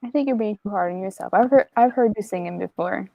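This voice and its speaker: A woman's voice: medium pitch, fast, gravelly, dry recording, dull audio. A woman co-hosting a casual chat in a church sanctuary, light and teasing. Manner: light, teasing, laughs often.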